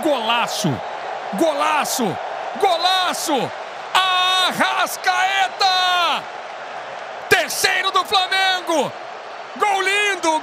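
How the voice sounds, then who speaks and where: A man giving explosive football goal commentary, with drawn-out shouted calls and repeated phrases. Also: very high-pitched. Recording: loud stadium crowd noise behind. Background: roaring football stadium crowd.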